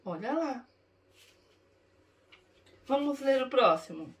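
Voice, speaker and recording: A woman's voice: high-pitched, expressive, slow pace. A Brazilian woman teacher reading words aloud syllable by syllable for young children in a literacy lesson, coaxing them to read along. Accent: Brazilian Portuguese.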